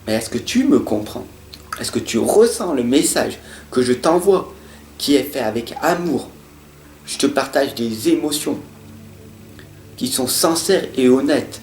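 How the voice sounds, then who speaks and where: A man giving a monthly horoscope reading from tarot cards, talking in an earnest, repetitive motivational way, stuttering at times and swinging between loud and soft. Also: medium pitch, lively intonation, measured pace, long pauses, slight background noise. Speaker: tarot reader. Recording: roomy sound with faint guitar music.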